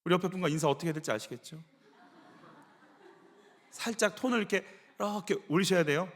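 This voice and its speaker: A man preaching a sermon in a church, animated storytelling with acted-out quotes. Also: high-pitched, fast talker, in a large hall. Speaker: pastor. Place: church sanctuary.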